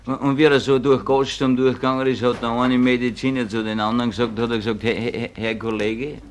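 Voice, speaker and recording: Man, comedian, heavy stutter on every phrase, mid-pitched, telling jokes. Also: little pitch movement, fast, slight background noise. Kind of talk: stand-up joke telling.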